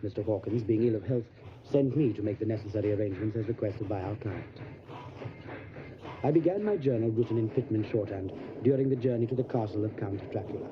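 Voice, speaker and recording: An actor playing a courteous solicitor in an audio drama, speaking in a measured, formal way. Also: male voice, lowish voice, background noise, close to an everyday voice. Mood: reflective, measured. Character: courteous English solicitor recounting his journey to Transylvania. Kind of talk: audio drama narration and dialogue. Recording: dull lo-fi audio with music behind. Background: music.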